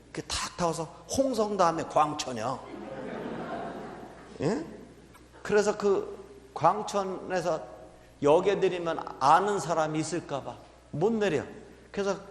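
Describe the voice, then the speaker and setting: A man, a Catholic priest, giving a retreat sermon as a dramatic story that swings between shouting and whispering. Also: on the high side. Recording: echoey hall with long reverb.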